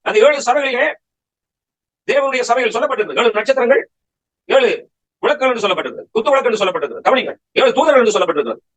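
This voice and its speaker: A man's voice: very high voice, animated, very fast, long pauses, a bit bright, poor audio. A man preaching a Bible study sermon, firing rhetorical questions at his listeners and pressing his points with emphatic exhortation.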